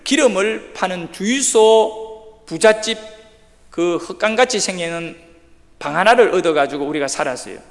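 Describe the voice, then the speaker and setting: A man preaching an early-morning sermon, telling a personal story in a lively way and acting out what others said. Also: fairly high pitch. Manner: lively storyteller who acts out quoted speech. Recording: long hall reverb.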